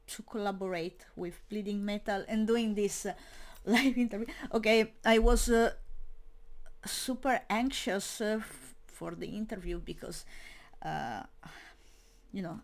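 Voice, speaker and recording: A young woman speaking English as a second language in a casual monologue, hesitant and full of fillers and restarts. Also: medium pitch. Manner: non-native English speaker. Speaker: metal media creator.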